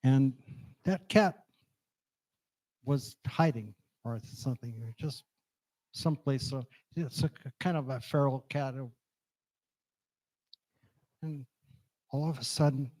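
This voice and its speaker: A man with a low voice telling a story at a church gathering, talking slowly and haltingly, searching for words after strokes. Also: darkish tone, rough recording. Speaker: congregation member sharing a story. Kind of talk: halting personal testimony. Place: church hall. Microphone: handheld microphone.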